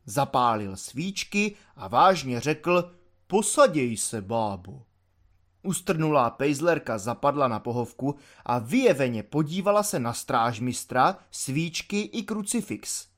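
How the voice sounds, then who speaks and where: A man narrating a story in an audiobook with expressive storytelling. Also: a little high.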